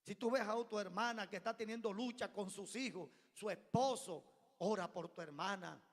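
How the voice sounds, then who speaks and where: A man preaching a sermon as pastor, telling a story and building up to shouted exhortation, recorded in a church. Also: high-pitched. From Colombia. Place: church hall. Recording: long church reverb.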